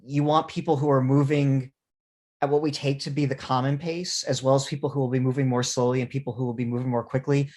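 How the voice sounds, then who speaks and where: A man with a mid-pitched voice takes part in a panel discussion. He speaks articulately, in elaborate, academic phrases. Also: little pitch movement, fast, darkish tone. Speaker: panelist, theatre writer and producer.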